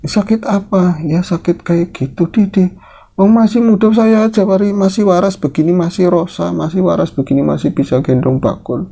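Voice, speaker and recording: Casting: a man doing a fussy old granny seller, high and emotional, soft dark tone. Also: moderate pace, gravelly. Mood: chatty. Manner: high, emotional, repetitive fussing. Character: chatty old village woman porridge seller, weepy.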